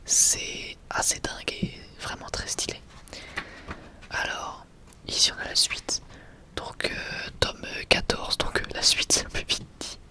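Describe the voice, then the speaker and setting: A man's voice: a little slow, sharp tone. Whispering young man, ASMR. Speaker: ASMR video creator presenting a manga collection.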